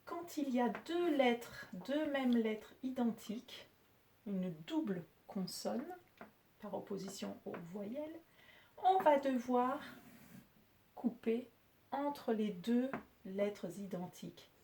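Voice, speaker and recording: A woman's voice: on the high side, lively intonation, warm tone, slight background noise. A woman teacher patiently explaining French spelling and syllables to pupils. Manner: slow, patient, clearly articulated explanations. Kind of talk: spelling lesson for children.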